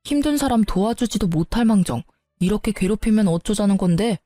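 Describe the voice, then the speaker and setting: A woman's voice: medium pitch, animated, brisk, mellow, no echo, lightly acted. A woman voicing a resentful young husband who argues back with sneering, defensive retorts in a storybook narration. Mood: indignant. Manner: argumentative, sneering.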